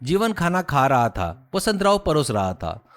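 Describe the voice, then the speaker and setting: An Indian man reads a scripted cartoon moral story. His voice sits fairly high and moves animatedly up and down. Faint music plays behind him. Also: big pitch swings, a little slow. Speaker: story narrator.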